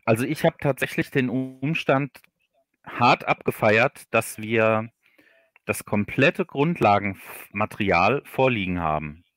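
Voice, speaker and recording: A man chatting casually as an interview guest, explaining things haltingly and repeating words as he thinks. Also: medium pitch, animated, a bit bright, no echo, clean studio sound. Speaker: audio drama author, livestream guest.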